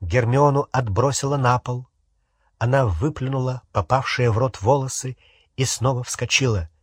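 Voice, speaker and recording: A man narrating an audiobook in an unhurried, expressive reading. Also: medium pitch, no room sound, clean studio sound. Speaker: audiobook reader.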